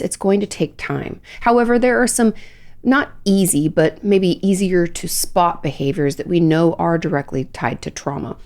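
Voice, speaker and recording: A woman's voice: lowish voice, darkish tone. A woman with a stuffy, nasal head cold, hosting a solo podcast as a therapist answering listener questions in a chatty way with fillers and restarts. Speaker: podcast host, licensed therapist.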